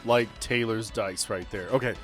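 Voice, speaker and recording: A man's voice: fairly low pitch, moderate pace, soft background music. Casual man running a tabletop game. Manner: casual, swearing, talking players through the scene. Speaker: game master. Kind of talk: improvised narration of a tabletop game.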